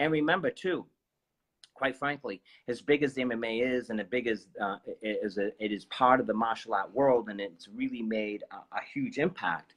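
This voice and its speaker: A man speaks with a Boston accent. His pitch sits in the medium range. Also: ordinary pitch variation. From Boston area, Massachusetts. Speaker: martial arts instructor. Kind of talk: interview conversation. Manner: fast talker; animated, repetitive false starts.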